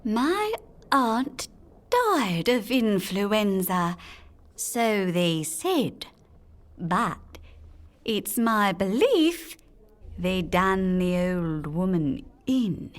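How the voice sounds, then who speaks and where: A woman's voice: medium pitch, very animated, extremely slow. A woman playing a young, suspicious Cockney flower girl, gossiping emphatically in a radio drama monologue. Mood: indignant, conspiratorial.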